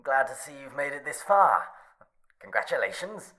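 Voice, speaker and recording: A man's voice: medium pitch, very animated, normal speed, sharp tone. An actor playing a suave, mocking male overseer of a hotel test, silky and teasing, slipping into whispers in a horror audio drama.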